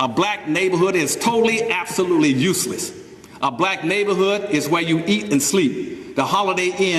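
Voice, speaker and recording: A man's fairly quick, high-pitched voice with lively intonation, amid audible room echo and noticeable background noise. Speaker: economist and public speaker. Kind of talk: speech. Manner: fast; animated.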